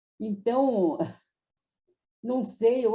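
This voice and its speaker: Her voice has a dark, mellow tone, and this woman's intonation is fairly even. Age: 90s. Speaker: playwright. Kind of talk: casual chat. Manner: halting.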